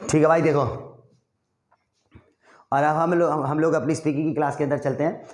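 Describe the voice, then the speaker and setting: A man teaching spoken English in a casual, chatty way, repeating practice sentences slowly. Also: fairly high pitch, flat delivery, darkish tone, roomy sound. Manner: chatty, addresses viewers as brother and friend.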